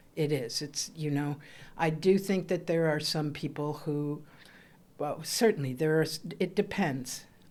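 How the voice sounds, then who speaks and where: A woman speaks with a very deep, low pitch. Her pace is fairly slow. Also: ordinary pitch variation. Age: 70s. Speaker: theater maker. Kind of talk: interview. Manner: halting.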